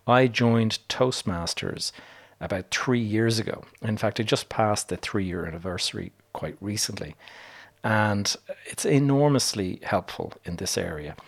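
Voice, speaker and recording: A man hosting a podcast, talking in an earnest, measured way with the odd restart. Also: lowish voice, vocal fry, breathy edge. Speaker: podcast host. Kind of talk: casual podcast interview.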